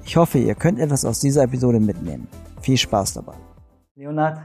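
A young adult man hosting a podcast, reading the intro and asking interview questions in a calm, measured way. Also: mid-range voice, gravelly, breathy edge, faint music behind. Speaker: podcast host and osteopath.

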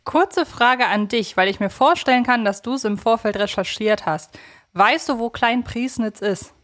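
A woman's voice: fairly high pitch, a little slow, fairly bright tone. A woman co-hosting a podcast, analysing a story conversationally in a frank and opinionated way. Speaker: podcast co-host. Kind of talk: conversational analysis of an audio drama.

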